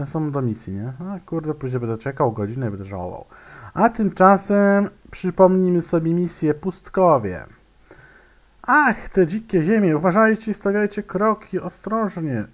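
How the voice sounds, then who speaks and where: Guy talking slow over his game, kinda high voice, mutters and goes pyk pyk while clicking. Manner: mutters to himself, makes clicking sounds while playing; hesitant, many fillers and restarts. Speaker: gameplay commentator. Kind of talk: casual gameplay commentary.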